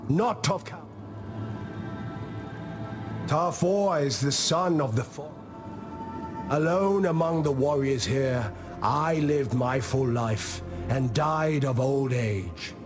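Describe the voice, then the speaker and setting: A man playing a wise old tribal elder in a video game, speaking in a measured, solemn, contemplative way. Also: mid-range voice, over music, lightly acted. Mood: proud. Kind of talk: scripted video game character monologue.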